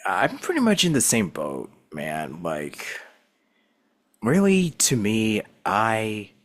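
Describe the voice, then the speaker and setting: A man's voice: fairly low pitch, huge pitch swings, slow pace. A man from Southern California hosting a casual voice-acting interview, rambling with lots of fillers and laughing easily. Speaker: podcast host.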